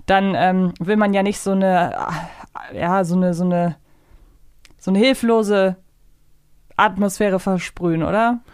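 A woman with a medium-pitched voice co-hosts a review podcast. She talks in a conversational way, and the recording is dry, with very little room sound. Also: steady tone, takes it slowly, a little mellow, clear, resonant tone, no echo. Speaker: podcast co-host. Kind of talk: conversational audio drama review.

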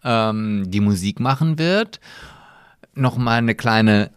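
A man's voice: fairly low pitch, expressive, slow, smooth, no echo. A slightly tipsy man co-hosting a casual podcast, making dry, teasing remarks. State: a bit tipsy. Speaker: podcast co-host.

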